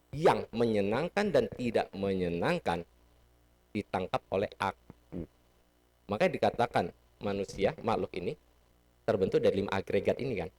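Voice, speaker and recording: A man's voice: on the low side, a little mellow. A man giving a casual Buddhist sermon in a temple hall, teaching playfully and asking the audience questions. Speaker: Buddhist dharma speaker.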